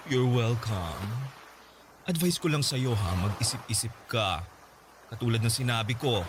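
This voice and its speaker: A man's voice: mid-range voice, noisy background, lightly acted. An actor playing a wealthy older gay man, smug and manipulative, in a radio drama, with a teasing, sing-song delivery. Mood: knowing.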